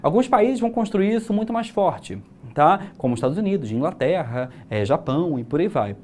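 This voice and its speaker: A man's voice: fairly high pitch, sing-song, a little fast, darkish tone, slight background noise. Brazilian guy teaching a prep class, talks to you direct, lots of rhetorical questions, voice jumps up and down. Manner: chatty and explanatory, asking rhetorical questions. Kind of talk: recorded exam-prep lesson.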